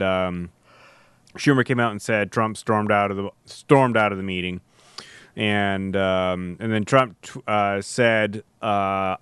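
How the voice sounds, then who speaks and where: Smooth-voiced podcast co-host, dry mic. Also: male voice, lowish voice, fairly bright tone, dry recording. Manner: storytelling with many fillers and restarts, laughs along. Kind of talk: casual chat.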